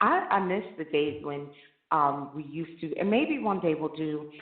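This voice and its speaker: A woman talks at a moderate pace in a very deep, low voice with ordinary pitch variation. Background noise is noticeable. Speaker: talk show co-host. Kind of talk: casual chat. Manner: animated.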